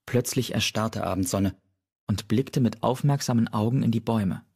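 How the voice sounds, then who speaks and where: A man reading an audiobook aloud in steady storytelling narration. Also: lowish voice, normal speed, creaky, breathy edge. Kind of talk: scripted narration.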